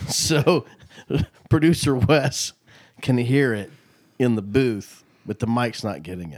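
Lively intonation from a man at a medium pitch, with big swings in loudness, long, frequent pauses and a fairly slow pace. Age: 50s. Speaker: podcast host. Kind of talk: casual chat. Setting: studio.

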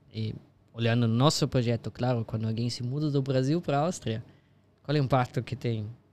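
On a very clean recording with a silent background, a man at medium pitch talks at a fairly quick pace with fairly even intonation. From Austria. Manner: halting.

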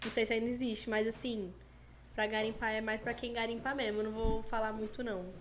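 Speaking at a fairly quick pace, a woman holds a monotone, flat intonation at a fairly high pitch. Room echo is audible. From São Paulo, Brazil (city centre). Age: 20s. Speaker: DJ. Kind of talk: casual chat.

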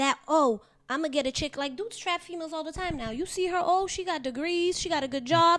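A woman with an American accent, her pitch extremely high, her pace very fast, her pitch variation ordinary. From came to the US as a child from abroad. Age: 30s. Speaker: podcast guest. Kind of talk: casual chat. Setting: studio.

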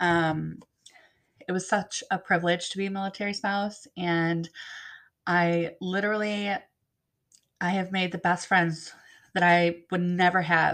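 At a fairly slow pace and fairly low pitch, a woman speaks in a monotone, flat way with long, frequent pauses against a quiet background. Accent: American. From Michigan. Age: 30s. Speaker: podcast host and postpartum doula. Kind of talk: personal testimony. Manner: candid, blunt.

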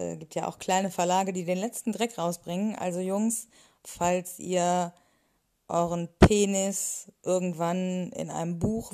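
Speaking at a very slow pace, a woman has a medium pitch and a dark, mellow tone. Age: 30s. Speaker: podcaster, hospitality worker. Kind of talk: casual solo monologue. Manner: casual with fillers.

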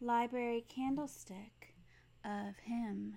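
At a very slow pace, a woman speaks in a gentle, soothing tone with a fairly high pitch. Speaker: poet and author. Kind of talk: whispered bedtime poetry reading. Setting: in bed at home. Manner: soft-spoken, rambling, halting with many fillers.

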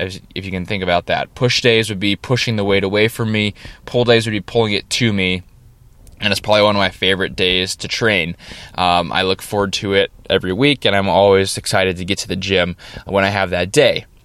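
An energetic man speaks at a fairly quick pace in a fairly low pitch. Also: dry, close sound with no echo. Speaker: fitness podcast host and strength coach. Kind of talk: solo podcast monologue. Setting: recording in a parked car. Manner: loud.

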